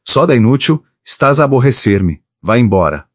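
A man reads the part of a proud, taciturn beggar with a cold voice that stays flat and even, dismissing people in a few clipped words. The voice sits at a middling pitch and sounds dry and close, with no room around it. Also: moderate pace, no room sound, close to an everyday voice. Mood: curt.

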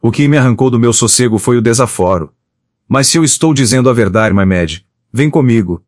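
A man voicing a defiant, sharp-tongued young woman in an audiobook. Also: medium pitch, lively intonation, fairly quick, no echo, studio quality, close to an everyday voice. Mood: insistent. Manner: insistent, challenging.

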